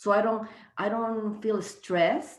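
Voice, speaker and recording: A woman's fairly slow speech, with audible room echo. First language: Spanish. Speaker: real estate investor. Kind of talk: team call training presentation. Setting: conference call. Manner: halting, frequent restarts.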